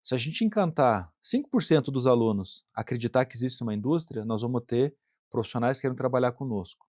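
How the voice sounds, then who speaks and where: A man's voice: mid-range voice, animated, fast talker, darkish tone, no echo, studio quality. A middle-aged Brazilian man, an industrial plant manager, answering interview questions earnestly and thinking aloud, often checking in with tag questions and repeating words. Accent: Brazilian Portuguese.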